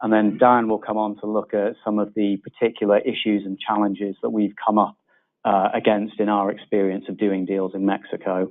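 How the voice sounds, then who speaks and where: In a British accent, a man speaks with monotone, flat intonation at a fairly low pitch. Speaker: lawyer. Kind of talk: conference presentation. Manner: halting, with frequent fillers.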